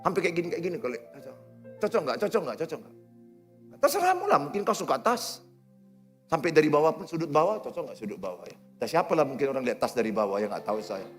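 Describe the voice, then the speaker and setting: A middle-aged man preaching a sermon, swinging between loud exhortations and quiet, low asides. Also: very animated, fast, soft background music. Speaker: pastor. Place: church hall with congregation.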